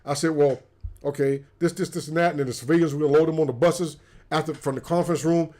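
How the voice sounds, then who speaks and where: Man, slightly high voice, rambling storyteller, repeats words. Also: steady tone, quick pace, warm tone. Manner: rambling, repeats words while telling war stories. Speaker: co-host. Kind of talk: casual storytelling chat.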